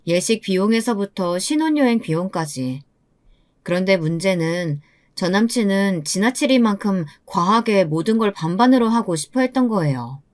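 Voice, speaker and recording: A woman's voice: medium pitch, animated, normal speed, darkish tone. A woman in her twenties telling her own story in scripted first-person narration, in a confiding, lamenting way. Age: 20s.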